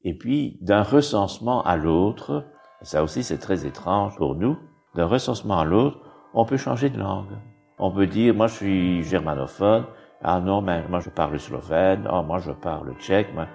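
A man's voice: low voice, expressive, normal speed, gravelly, a little mellow, slightly rough, faint music behind. An older man, explaining history in an interview in a rambling, digressive way with frequent tag words. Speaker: bishop and historian guest.

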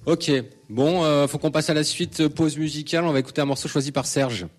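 A man who facilitates a radio show, explaining in a measured way with frequent hesitations. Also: fairly high pitch, fairly even intonation. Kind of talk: interview explanation.

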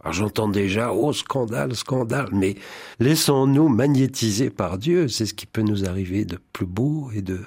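Husky-voiced man preaching with fervor. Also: lowish voice, animated, normal speed, a little mellow, no room sound, clean studio sound. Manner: fervent, preacherly, quoting scripture. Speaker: priest and songwriter, interview guest. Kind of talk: spiritual radio interview.

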